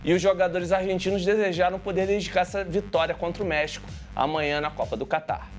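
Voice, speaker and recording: Man, sports news reader, high voice, casual asides, faint music behind. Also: fast talker. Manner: chatty asides to viewers. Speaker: sports reporter.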